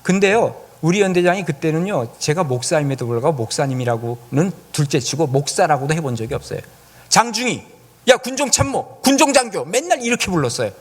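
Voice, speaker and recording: Animated male pastor telling a story. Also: fairly high pitch, fast talker, few pauses. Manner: lively storytelling with acted-out quotes and questions to the congregation. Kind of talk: sermon. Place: church.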